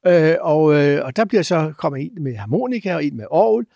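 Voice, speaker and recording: Guy with a pretty high voice spinning expedition stories, stops and goes, really dry mic. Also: vocal fry, no room sound. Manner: halting, many filler sounds; lively, acts out chants and sounds. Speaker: guest explorer. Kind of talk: animated storytelling.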